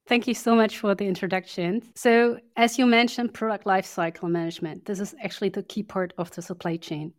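A woman's voice: mid-range voice, fairly even intonation, a little fast, hardly any pauses. A woman co-hosting a podcast, politely welcoming and introducing guests. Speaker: co-host.

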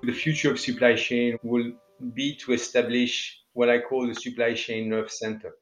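A man's voice: mid-range voice, flat delivery, normal speed, faint music behind. A man speaking confidently as a podcast guest. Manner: confident, visionary statements. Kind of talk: business interview talk. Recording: echoey room.

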